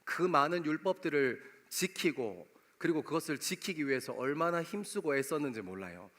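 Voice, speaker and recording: Young male pastor, regional Korean dialect, slightly high voice, casual sermon delivery in a reverberant church hall. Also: expressive, moderate pace, fairly bright tone. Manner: conversational, jokes with the congregation. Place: church sanctuary.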